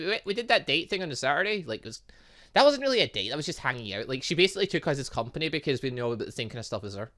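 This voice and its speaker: Lively, bright-voiced let's play commentator. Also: mid-range voice. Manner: chatty, rambling, thinks aloud. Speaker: gaming channel host. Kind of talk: let's play commentary, reading a visual novel aloud and reacting.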